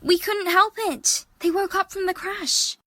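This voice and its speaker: A woman's voice: very high voice, fairly even intonation, unhurried, a bit bright, dry recording, clean studio sound. A woman playing a defensive, sardonic young time-travelling adventurer in an audio drama.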